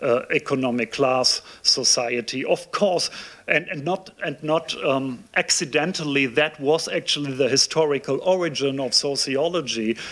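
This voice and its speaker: With a German accent, a man with a fairly high pitch talks at a moderate pace with hardly any pauses. His pitch varies in an ordinary way, and there is noticeable background noise. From Germany. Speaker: professor, sociologist. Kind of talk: lecture. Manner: halting, many fillers.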